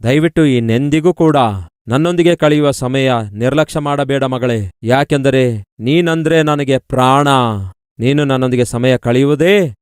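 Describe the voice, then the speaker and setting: A man voicing a gentle father who reassures his daughter in a sermon story. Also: medium pitch, normal speed, smooth, dry recording, clean studio sound, close to an everyday voice. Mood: tender. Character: tender loving father speaking to his daughter.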